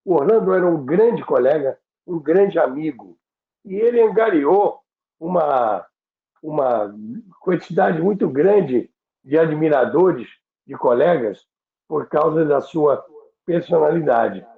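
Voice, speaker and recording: A man's voice: on the high side, animated, creaky. Older Rio man, roomy phone-like sound. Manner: halting, repeats words, unhurried. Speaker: radio veteran and program host. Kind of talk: reminiscing conversation about radio history.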